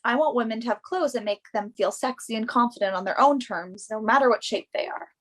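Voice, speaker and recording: A woman's voice: on the high side, fairly quick, lightly acted. A woman acting in a play reading as a confident, earnest young fashion model who speaks up for herself. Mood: enthusiastic. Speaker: actor in a virtual staged reading.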